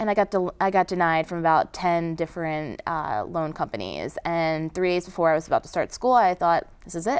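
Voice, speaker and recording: With a Philadelphia accent, the speaker talks at a fairly quick pace and hardly pauses, in a very clean recording with a silent background. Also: woman, fairly low pitch for a woman, ordinary pitch variation. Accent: Philadelphia American. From Philadelphia, US. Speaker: former homeless student, researcher. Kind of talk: interview. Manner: fast.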